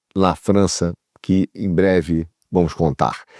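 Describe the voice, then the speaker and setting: A man speaks in a dry, close recording with no echo. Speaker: commentator on economics and geopolitics. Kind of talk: online show monologue on economics. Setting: at home. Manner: hesitant, with many fillers.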